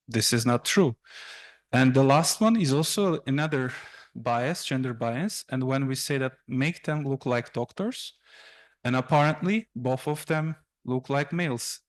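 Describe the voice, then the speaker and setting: Man lecturing with a Turkish native tongue. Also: mid-range voice. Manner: halting, many fillers and restarts, explaining slides. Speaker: university seminar speaker. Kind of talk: academic presentation. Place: university seminar room.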